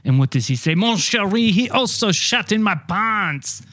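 A man's voice: high voice, expressive, pushed and bright, no room sound, studio quality. A man playing a pompous French train waiter with a put-on French accent, drawling insults in an improv comedy scene. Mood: storytelling. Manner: haughty, insulting, slow drawl.

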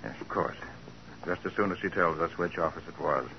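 A man playing a shrewd, brisk private detective in 1940s radio crime drama style, with a commanding, clipped delivery. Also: low-pitched. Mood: brisk, insistent. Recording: muffled, noisy 1940s radio recording.

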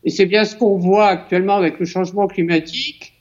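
A woman philosopher, a guest in a debate, explaining a concept in a measured way. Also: medium pitch, fairly even intonation, darkish tone. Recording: dull lo-fi sound.

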